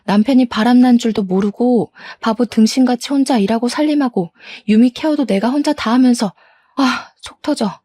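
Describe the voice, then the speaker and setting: A woman's voice: a little high, fairly quick, hardly any pauses, mellow, no room sound, clean studio sound. A woman speaking as a wronged wife in a scripted story, indignant and reproachful. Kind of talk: scripted drama narration.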